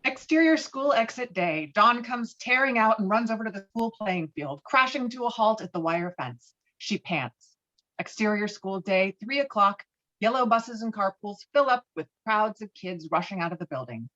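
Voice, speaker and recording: A woman's voice: medium pitch, expressive, normal speed, a bit bright. A woman reading scripted stage directions and scene headings for a table read over a video call. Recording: dull, lo-fi online call audio.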